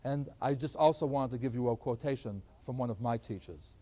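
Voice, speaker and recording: A middle-aged man lecturing as a math professor, animated and emphatic, with folksy asides to his students. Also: medium pitch, fairly quick. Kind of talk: classroom lecture.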